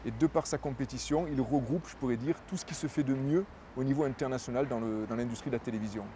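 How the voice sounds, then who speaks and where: A man's voice: medium pitch, fast talker, dark tone, a little hiss or hum. A man, a festival director, answering interview questions in a fluent, promotional way, repeating words as he thinks.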